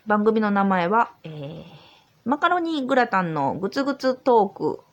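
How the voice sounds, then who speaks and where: Woman, Kansai accent, tipsy podcast host, rambling chat, very lively pitch. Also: normal speed, lo-fi sound. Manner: chatty, rambling, easygoing. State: tipsy from drinking. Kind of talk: casual solo podcast chat. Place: old house.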